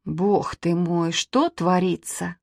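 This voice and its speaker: A hearty, polite middle-aged gentleman, as a woman puts him on, full of friendly exclamations in a storybook reading. His voice rises and falls a lot and sounds dry and close. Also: lowish voice, expressive, a little slow, no echo. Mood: dismayed. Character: cheerful chess-club acquaintance, middle-aged man.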